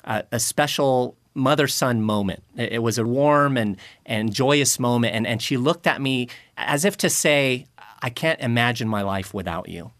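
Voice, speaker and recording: A man's voice: medium pitch, moderate pace, fairly bright tone, dry recording. A man in his forties from Lebanon, a guest on a radio interview, telling his story earnestly with some fillers. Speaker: radio guest, publishing president. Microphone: studio microphone.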